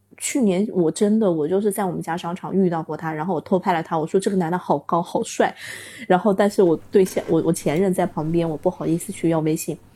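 A woman talks at a very fast pace with fairly even intonation and a fairly low pitch. Noticeable background noise is present. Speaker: caller. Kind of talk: casual phone chat.

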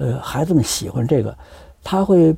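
A man at a moderate pace, with very wide pitch swings and vocal fry. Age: 70s. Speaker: aviation model teacher. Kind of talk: interview.

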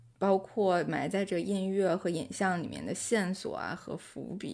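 A woman with a fairly low pitch and vocal fry is heard on a very clean recording with a silent background. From Northeast China, Liaoning. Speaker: podcast host. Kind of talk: casual interview.

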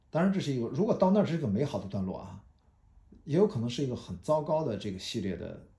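A man with a dark, mellow tone speaks somewhat breathily, his pitch swinging very widely. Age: 40s. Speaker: podcaster and film lecturer. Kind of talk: personal monologue. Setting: solo recording, evening. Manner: casual with frequent filler sounds.

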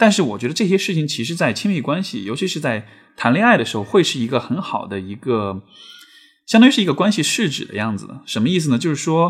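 Speaking very fast, a man lets his pitch swing very widely. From Chengdu, Sichuan. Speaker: podcast host. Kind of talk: advice monologue. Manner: hesitant with frequent fillers.

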